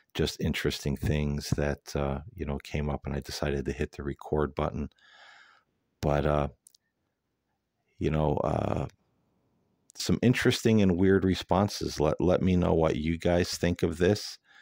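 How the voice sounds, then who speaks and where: Speaking at a fairly slow pace with long, frequent pauses, a man uses a very deep, low pitch, ordinary pitch variation and vocal fry, captured dry and close with no echo in a very clean recording against a silent background. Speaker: paranormal investigator podcaster. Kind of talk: casual monologue. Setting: home office. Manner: hesitant, many fillers; quiet, low voice in parts of session.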